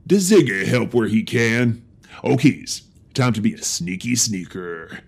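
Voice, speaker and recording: An actor playing a big, friendly troll philosopher with a gravelly, husky voice and folksy broken grammar in a cyberpunk audio drama. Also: male voice, fairly low pitch, animated, a little slow, full character voice. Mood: easygoing, reassuring. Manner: folksy broken grammar, third-person self-reference. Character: big male troll shadowrunner philosopher, friendly, simple-spoken.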